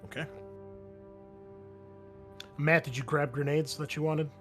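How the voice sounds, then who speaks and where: A man's voice: fairly high pitch, steady tone, a little slow, a bit bright, faint music behind. A man acting as game master, explaining rules to players in a casual, conversational way. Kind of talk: casual tabletop game refereeing.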